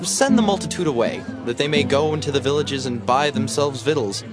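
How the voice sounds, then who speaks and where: A man's voice: mid-range voice, expressive, brisk, over loud music, close to an everyday voice. A man playing a fearful, earnest disciple in a dramatized scripture reading. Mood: concerned.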